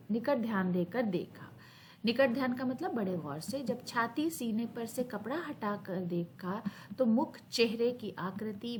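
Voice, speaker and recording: Lady reading a story slowly for learners, explaining words as she goes, bit of background noise. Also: medium pitch, a little mellow. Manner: reads a line, then explains hard words in plainer ones. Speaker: Hindi reading teacher.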